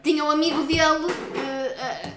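A woman with a European Portuguese accent chatting casually, telling things in an informal, animated way. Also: high-pitched, measured pace, music in the background. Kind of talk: casual chat. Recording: noisy echoey room with kitchen clatter.

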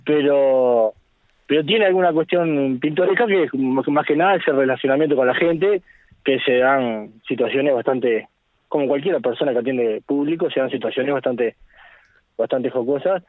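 A man's voice: medium pitch, moderate pace, no echo. Man, patchy phone line, muffled lo-fi sound, chatty anecdotes. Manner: chatty, wry anecdotal storytelling. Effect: choppy, patchy phone connection. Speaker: radio caller, bank teller. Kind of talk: casual phone-in chat. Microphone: telephone. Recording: dull lo-fi phone line, dry.

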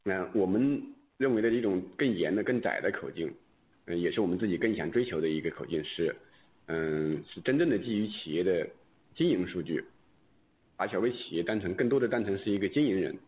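A male executive answering on an earnings call in a deliberate, halting way. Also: sits low, expressive. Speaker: company executive answering questions. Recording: thin phone-like conference line.

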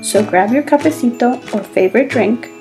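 A woman's voice: fairly high pitch, moderate pace, gravelly, mellow. A woman host reading the upbeat scripted intro of her podcast. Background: intro music.

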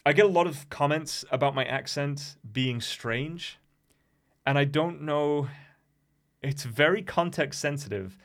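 A man's voice: a little high, unhurried. A man of twenty-five with a somewhat Americanized English accent, hosting a casual solo podcast in a meandering, slightly nervous way with many restarts. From England. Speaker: podcast host and streamer.

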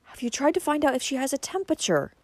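A fretful, gossipy woman cousin from a storybook, put on by a woman narrator. She moans and whimpers in a high, wavering pitch, close and dry. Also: sing-song, quick pace, dry recording. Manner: moaning, wailing, whimpering.

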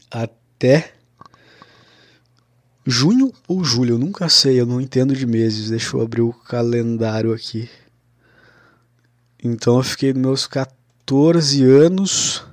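Young guy w telling his own story, pretty flat and even, dry close sound. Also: medium pitch, dry recording. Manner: casual, confessional, with frequent "cara" and "né". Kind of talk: personal storytelling monologue.

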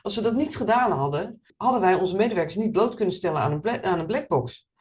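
A middle-aged woman surgeon and professor, answering interview questions in an animated, storytelling way with many restarts. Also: mid-range voice, fast talker. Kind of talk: interview in front of an audience.

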